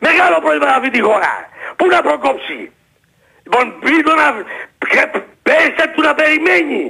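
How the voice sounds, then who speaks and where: A shrill gravelly ranting caller. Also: male voice, exaggerated voice, poor audio. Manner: shouting, ranting, insulting. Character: cranky older male basketball-fan caller, ranting. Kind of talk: radio comedy sketch.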